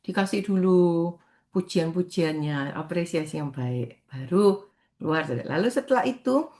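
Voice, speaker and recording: A woman's voice: fairly low pitch, animated, moderate pace. A middle-aged woman evangelist giving a morning prayer sermon, talking to her listeners in a conversational way and often calling them brothers and sisters. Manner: warm conversational preaching, often addresses listeners as "saudara".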